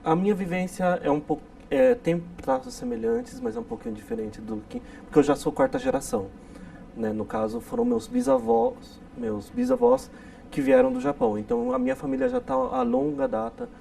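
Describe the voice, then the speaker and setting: A man from the interior of São Paulo, a guest speaking in a measured way and searching for his words. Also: very high voice, creaky, mellow. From Brazil, interior of São Paulo. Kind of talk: casual interview talk. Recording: distant mic with faint noise.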